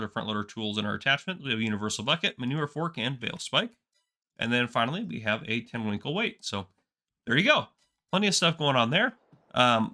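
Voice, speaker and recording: A congested man with a sore throat gives an easygoing walkthrough of a game map. His voice sits bright and forward, and he wanders into chatty asides as he goes. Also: medium pitch, creaky. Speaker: gaming channel host. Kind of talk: casual game map tour commentary.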